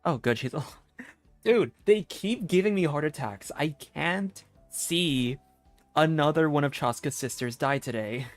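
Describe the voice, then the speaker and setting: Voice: medium pitch, lively intonation, unhurried, no room sound. A streamer reacting casually and emotionally to a game, swearing freely. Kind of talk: casual live gameplay reaction. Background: game music.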